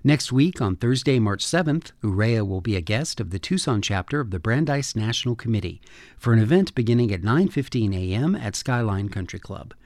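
A male radio host and producer reading announcements and credits in a measured, formal way. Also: on the low side, darkish tone, no echo.

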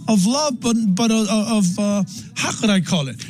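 A man, his voice sitting a little high, hosts a television interview. He interprets on the fly, stammering and restarting his lines. Faint music plays behind him. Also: animated, moderate pace, darkish tone. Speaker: TV host and interpreter.

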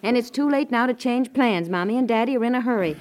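An actress playing a distracted, brisk wife and mother in a 1950s American radio comedy, half-listening, placating and bossy in a natural style. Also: a little high, lively intonation, a little mellow, close to an everyday voice. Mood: firm, exasperated. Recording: vintage 1950s radio recording.

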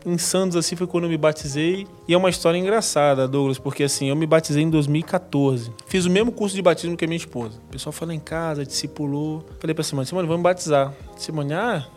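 Former footballer from Brazil, podcast guest; quick, animated testimony that acts out dialogue. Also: male voice, on the high side, faint music behind. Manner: animated storyteller acting out dialogue. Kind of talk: casual testimony.

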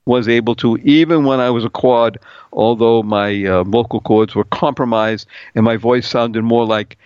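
A man's voice: mid-range voice, steady tone, moderate pace, a little mellow, clean tone, dry recording, highs cut off. A middle-aged man hosting a talk radio show, playful and upbeat, spelling out words letter by letter and singing little bits.

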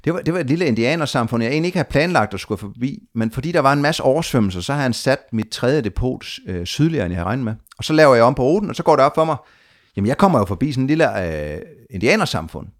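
A man telling a long story of his trip in a casual conversation, lively, with frequent restarts and repeated words. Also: mid-range voice.

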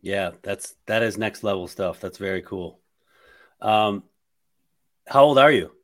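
A man in his late forties hosts a casual podcast interview, encouraging his guest and laughing easily. His voice sits a little lower than most men's. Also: a little slow. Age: 40s. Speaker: podcast host.

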